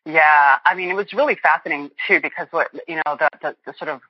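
In a conversational interview, a guest author in her forties from Boston, United States, speaks earnestly and reflectively, thinking aloud. Her voice is low-pitched, fast and a little breathy, captured on a muffled, dry lo-fi line.

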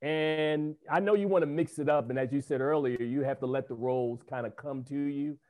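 A man's voice: medium pitch, fairly even intonation, a little fast, a little mellow. A man hosting an interview, asking questions in a friendly, chatty way. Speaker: interview host.

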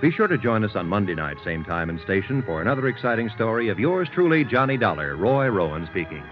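Man announcing radio credits, low voice, old dull recording with music. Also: very animated. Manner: crisp, measured announcing. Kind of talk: formal radio closing announcement.

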